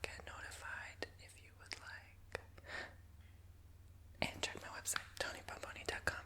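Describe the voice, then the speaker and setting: A man in his twenties with a nasal, raspy voice, giving a soft, rambling ASMR whisper with many fillers. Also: fairly high pitch. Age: 20s. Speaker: ASMR creator.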